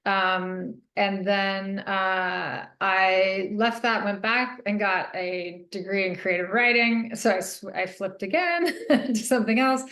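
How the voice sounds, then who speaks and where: A middle-aged woman from Northern California, an author speaking at a middle pitch. She answers thoughtfully, pausing on ums and laughing softly, and her voice echoes in a roomy studio. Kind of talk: interview answers. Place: radio studio.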